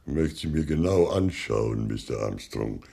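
A man playing a menacing, mock-polite gangster henchman with a gravelly, husky voice in a radio crime drama. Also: a bass voice, lively intonation, measured pace, mellow, exaggerated voice. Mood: mock-polite menace.

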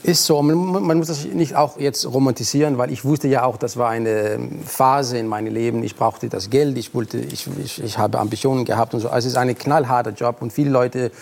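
A man with a Danish accent speaking German as a second language, answering as a talk show guest, halting and searching for words. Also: medium pitch, steady tone, vocal fry, darkish tone. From Denmark. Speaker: actor guest.

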